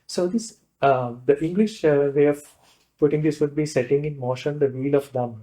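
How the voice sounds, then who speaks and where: A man with a Sri Lankan accent, a Buddhist monk giving an informal lecture in a hesitant, explanatory way, often pausing to rephrase. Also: on the high side, warm tone, rough recording. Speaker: Buddhist monk teaching a class.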